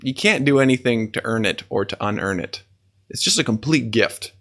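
A man hosts a faith podcast in a mid-pitched voice. He talks earnestly and breaks into awed exclamations. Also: animated, moderate pace, fairly bright tone. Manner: earnest, exclaims in awe and wonder. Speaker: podcast host. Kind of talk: faith podcast talk reading listener comments.

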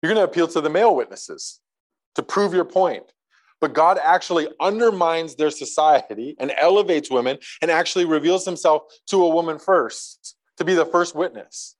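A man's voice: on the high side, normal speed, rough recording. Conversational male pastor preaching. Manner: conversational, reads scripture aloud, lightly joking. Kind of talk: sermon.

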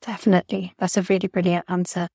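A woman's voice: lowish voice, level tone, quick pace, gravelly, dark tone, husky, no echo, clean studio sound. A woman from Wales hosting an interview, asking questions and affirming answers encouragingly. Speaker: podcast host.

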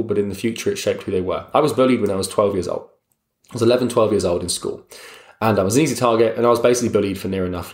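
A man's voice: lowish voice, darkish tone. A young man giving a blunt, motivational talk straight to the listener, swearing casually and calling him mate. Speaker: motivational speaker. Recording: roomy echo.

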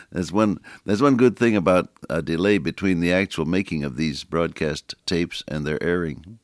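Radio preacher, man, very low voice, a little gravelly, dry studio sound. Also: a little slow, dry recording. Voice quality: slightly gravelly. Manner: reads scripture aloud with rising emphasis, folksy asides. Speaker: radio Bible teacher. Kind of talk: radio sermon, reading and expounding scripture.

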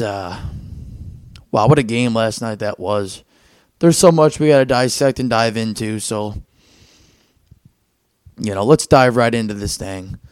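A man hosting a casual sports podcast, his voice raspy and worn out after a late night, rambling and getting excited as he recaps the game. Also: mid-range voice, dry recording. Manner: excitable, rambling fan talk. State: hoarse, worn out; tired, foggy. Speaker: podcast host.

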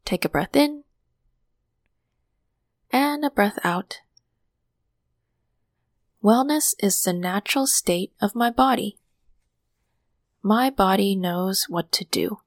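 Calm woman hosting a meditation podcast. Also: medium pitch, no echo, studio quality. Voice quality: calming voice. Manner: soft, slow guiding with whispered breath cues. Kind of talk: guided meditation.

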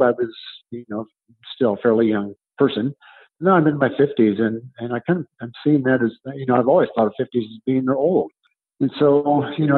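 A man in his seventies answering interview questions conversationally as a coach and author, explaining in a halting way and repeating words as he thinks. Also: medium pitch, breathy edge, narrow, tinny audio. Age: 70s.

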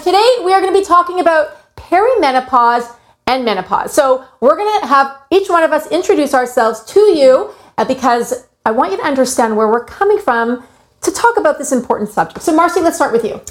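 A woman's voice: high-pitched, expressive, a little fast. A fifty-year-old woman hosting a panel discussion, upbeat and laughing easily. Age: 50s. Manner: upbeat, warm hostess, laughs often. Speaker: host, co-founder.

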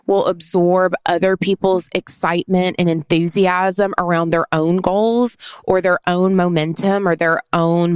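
A woman hosting her own podcast in a chatty, earnest way, a little raspy and congested from a head cold, often restarting her sentences. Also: fairly low pitch, no room sound. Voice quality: slightly raspy. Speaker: podcast host. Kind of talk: casual solo podcast talk.

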